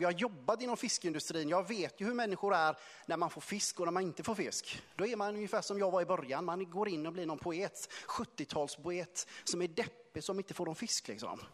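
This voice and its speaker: A man preaching a Sunday sermon, retelling a story in a lively, conversational, playful way. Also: high voice, long reverb tail. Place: church hall.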